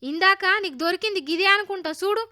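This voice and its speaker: A woman's voice: very high voice, fairly quick, sharp tone, pitched above the performer's own voice. Woman doing an earnest village boy, Telangana accent. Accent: Telangana Telugu. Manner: earnest, pleading. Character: honest, caring village boy Lingadu.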